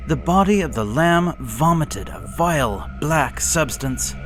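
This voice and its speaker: Slow somber male horror narrator. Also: on the high side, animated, soft background music. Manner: slow, measured, somber reading. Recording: hissy background noise.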